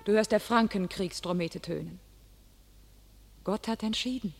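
A fervent young warrior maiden, declaiming. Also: female voice, mid-range voice, a little slow, creaky, noisy background. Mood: solemn, pleading. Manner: solemn, declamatory, impassioned. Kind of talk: classic German radio play, declaimed stage verse.

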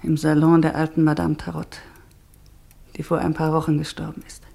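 Homesick exiled wife, lowish voice, wistful, hushed, dramatic pauses, radio play. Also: female voice, monotone, vocal fry. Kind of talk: mid-century German radio drama acting.

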